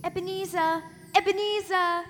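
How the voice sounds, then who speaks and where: Sweet eager little sister voiced by a woman, high girlish voice, stage radio drama. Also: fairly even intonation, normal speed, fairly bright tone, soft background music. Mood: excited. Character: eager, loving young girl, devoted little sister. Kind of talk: stage radio play acting.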